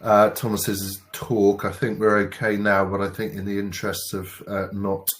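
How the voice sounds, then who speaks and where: A man's voice: on the low side, monotone, normal speed. A man moderating a webinar, putting audience questions to the speaker with many ums and uhs. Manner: hesitant, many fillers while framing questions. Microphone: video call with camera off.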